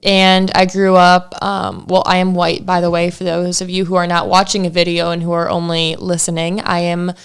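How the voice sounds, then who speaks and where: A woman's voice: fairly low pitch, level tone, moderate pace, few pauses, smooth. A woman in her twenties with an American Midwestern accent, chatting casually and playfully as a podcast co-host, often jumping in. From Michigan, United States. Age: 20s. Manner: playful, interjecting. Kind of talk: casual relationship podcast chat.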